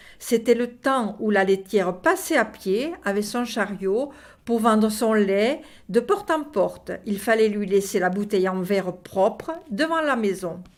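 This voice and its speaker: A woman with an unremarkable speaking voice talks at a fairly slow pace. Her pitch is fairly high and her intonation lively. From southwest France, Gers (Auch). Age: 60s. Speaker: elderly resident sharing memories. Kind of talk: reading aloud.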